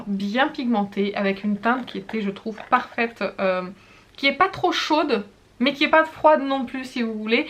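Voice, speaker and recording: A woman beauty vlogger casually reviewing makeup products to camera, chatty and full of hesitations, pausing to demonstrate as she talks. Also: a little high, fairly bright tone. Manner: chatty, frequent hesitations and self-corrections; demonstrates products while talking.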